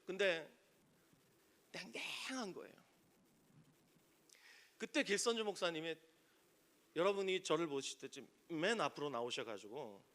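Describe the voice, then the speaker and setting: Male pastor, higher-pitched and bright, dramatic sermon delivery with loud and hushed swings. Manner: preaching with dramatic swings from loud cries to near-whispers; acts out quoted voices in stories.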